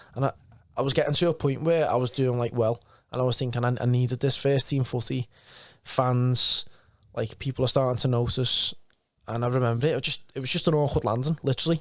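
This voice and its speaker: In a Liverpool accent, a man talks very fast at a medium pitch with fairly even intonation on a very clean recording with a silent background. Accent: Scouse. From Liverpool, Merseyside. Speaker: professional footballer. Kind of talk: casual chat.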